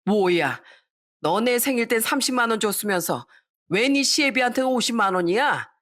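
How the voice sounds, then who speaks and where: A woman's voice: a little high, animated, moderate pace, fairly bright tone, voice pushed up. A woman voicing a domineering middle-aged mother-in-law who scolds in a bossy way. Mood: scolding.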